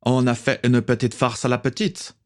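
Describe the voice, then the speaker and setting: A man's voice: medium pitch, flat delivery, normal speed, voice pushed up, natural voice. A man voicing a jovial pirate sailor with a German accent.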